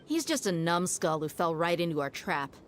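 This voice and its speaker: A woman's voice: on the low side, very animated, moderate pace. A woman playing a shrewd, cool-headed young desert mercenary in a video game, speaking in a self-assured, matter-of-fact way. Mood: wry, explaining. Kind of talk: dramatic video game voice acting. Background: music.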